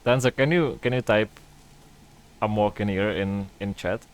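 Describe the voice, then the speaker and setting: A man's voice: on the low side, normal speed. A man streaming a game, chatting casually with a joking, sarcastic manner. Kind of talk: casual gaming stream chat.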